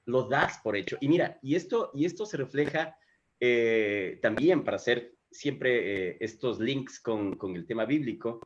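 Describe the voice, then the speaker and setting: A man's voice: medium pitch, expressive, measured pace, lo-fi sound, a little hiss or hum. A man hosting a live talk on faith, telling the story animatedly and often restarting his sentences. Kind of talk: casual spiritual conversation. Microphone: video call microphone.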